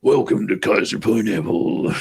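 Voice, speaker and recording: A man's voice: medium pitch, creaky, a little mellow, breathy edge. A man hosting a casual live stream, stumbling and repeating words as he chats with guests. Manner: stammering, repeats words, jokey. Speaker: livestream host.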